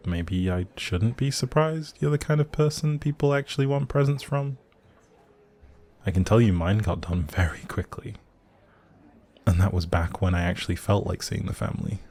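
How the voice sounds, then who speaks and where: Low-voiced grumpy, flirty barista, acted by a man. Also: gravelly, warm tone. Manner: teasing, wry, hesitant asides. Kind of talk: intimate audio roleplay addressed to the listener.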